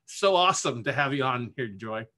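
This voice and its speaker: A man's voice: mid-range voice, expressive, moderate pace, sharp tone. A man hosting a live-streamed podcast session over a video call, talking in an upbeat, chatty way with plenty of fillers. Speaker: podcast summit host. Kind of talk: casual live-stream interview.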